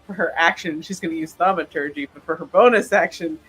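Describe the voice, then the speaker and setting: A man playing a tabletop game, haltingly describing his character's moves in casual chat. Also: a little high, a bit bright, husky, faint music behind, poor audio.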